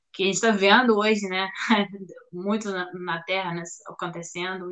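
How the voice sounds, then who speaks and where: Speaking with a German accent, a woman keeps a medium pitch, a moderate pace and fairly even intonation. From Germany. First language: German (speaking Portuguese). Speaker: missionary and English teacher. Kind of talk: interview.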